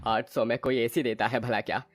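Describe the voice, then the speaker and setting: A man voicing a poor, meek farmer father in a cartoon, with a slightly husky voice. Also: mid-range voice, level tone, brisk, no echo, natural voice. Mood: weary. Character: poor, humble middle-aged farmer father. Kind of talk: cartoon voice acting.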